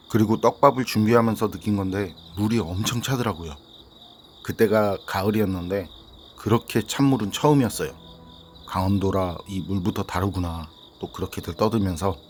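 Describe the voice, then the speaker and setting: A man narrating a listener's ghost story in the first person, calm and steady. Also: on the low side, a little hiss or hum.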